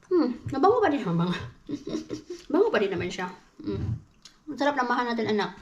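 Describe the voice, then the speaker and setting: A woman's voice: on the high side, sing-song, fairly quick, a little hiss or hum. Chatty woman vlogging at home. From Philippines. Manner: chatty, switches to sing-song baby talk with her toddler. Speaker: vlogger mom. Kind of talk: casual home vlog chat.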